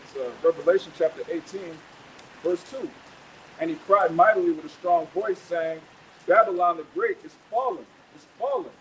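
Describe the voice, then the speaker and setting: A man reads Bible verses aloud in a loud, declamatory style. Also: sits high, a little hiss or hum, poor audio. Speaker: scripture reader.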